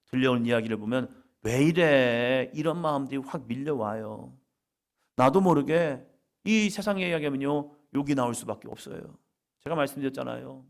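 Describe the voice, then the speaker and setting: A middle-aged man preaches at a church service, his voice sitting in an ordinary middle register. He moves between loud, emphatic declarations and hushed, whispered lines. He acts out the prayers and words of others as he goes. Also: mid-range voice, gravelly. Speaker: pastor. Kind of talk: sermon.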